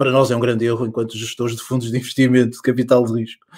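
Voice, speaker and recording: A man speaks with a European Portuguese accent. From Portugal. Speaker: venture capital investor. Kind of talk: panel discussion.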